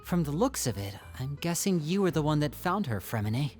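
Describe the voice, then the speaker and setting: A man voicing a young male showman who speaks calmly and questions his brother in a measured way. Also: fairly high pitch, faint music behind. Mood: stern.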